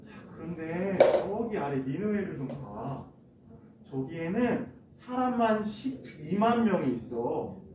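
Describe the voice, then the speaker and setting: A man voicing God as a gentle, patient figure who speaks slowly and softly to a prophet. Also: a little high. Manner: slow, soft and calm. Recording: echoey church hall from far off, background noise.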